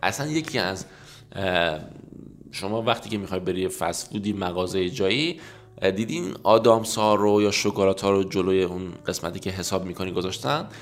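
A man teaching an English lesson in Persian, explaining and slowly repeating English phrases. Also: deep voice. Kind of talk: language lesson.

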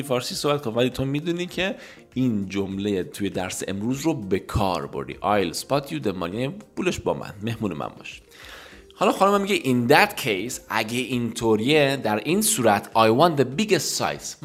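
A man teaching an English lesson, repeating English phrases slowly and then explaining them in Persian, his native language. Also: medium pitch.

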